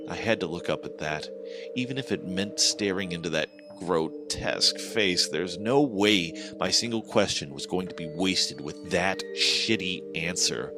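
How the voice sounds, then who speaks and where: A man's voice: deep voice, a little slow. A man narrating a first-person horror story in a tense, dramatic manner over background music. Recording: music playing behind.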